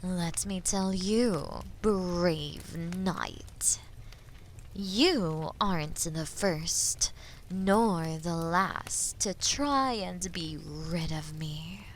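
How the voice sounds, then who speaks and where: A woman performs a menacing dragoness in a fantasy audio drama, speaking extremely slowly in a lowish, breathy voice. She is haughty and condescending, taunting a captive knight with deliberate, theatrical relish. A light bed of ambient noise sits behind her. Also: poor audio. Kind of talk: scripted fantasy audio roleplay addressed to the listener.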